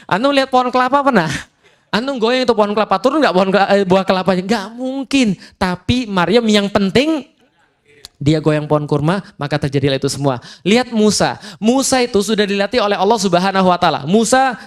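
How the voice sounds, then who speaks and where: Male preacher, high voice, lively storyteller who acts out scenes for a casual lecture crowd. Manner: animated storytelling, acts out dialogue with jokes; quotes Quran verses slowly.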